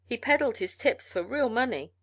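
A woman's voice: a little high, expressive, moderate pace, a bit bright. A woman voicing a gossipy, amused frontier mail carrier in a storybook, with folksy colloquial talk. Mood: folksy, matter-of-fact. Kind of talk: storybook character voice in narration.

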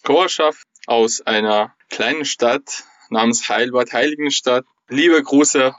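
A young man from Iran, talking casually as a podcast guest in German, pausing often with fillers as he searches for words. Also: mid-range voice, fairly bright tone, no room sound, highs cut off. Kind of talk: casual interview conversation.

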